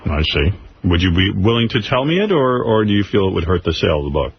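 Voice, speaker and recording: A man's voice: low-pitched, sing-song, fast talker. A man hosting a radio show, bantering with callers and probing his guest with questions, often cutting in. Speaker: radio host. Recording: dull lo-fi radio recording with hiss.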